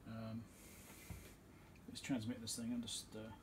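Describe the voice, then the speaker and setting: A man's voice: on the low side, completely flat delivery, measured pace. Man rambling casually over noisy hum. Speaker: electronics repair video host. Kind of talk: casual workbench demonstration. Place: home electronics workshop, indoors.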